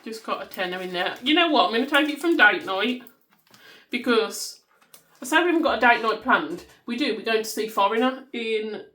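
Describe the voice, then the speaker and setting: A budgeting vlogger in her thirties from the West Midlands, England, speaks with a Black Country accent in a loud, rather high, expressive voice at a moderate pace. She chats casually while counting banknotes aloud at her desk at home.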